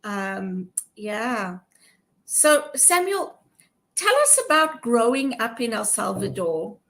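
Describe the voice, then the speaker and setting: Woman host, effusive, animated melody, higher voice, slow speech. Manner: effusive, exclamatory. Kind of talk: interview talk show.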